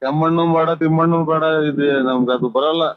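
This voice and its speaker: A man's voice: a little high, fairly even intonation, fairly quick, no room sound. A man in a rural comedy dialogue who pleads and rambles in a flustered way. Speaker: comedy performer. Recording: dull lo-fi dry audio.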